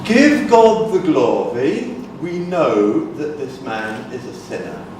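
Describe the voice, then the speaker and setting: A man's voice: a little high, very animated, slow pace. A man voicing scornful, accusing Pharisees in a dramatic scripture reading. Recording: echoey hall from far off, background noise.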